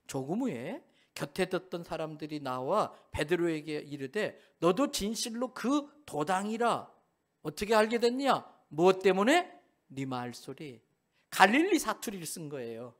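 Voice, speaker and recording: A male pastor preaching in a church sanctuary, with a high voice that swoops up and down a lot. He tells the story vividly and keeps quizzing the congregation. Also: normal speed. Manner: animated storytelling, asks the congregation questions. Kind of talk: sermon.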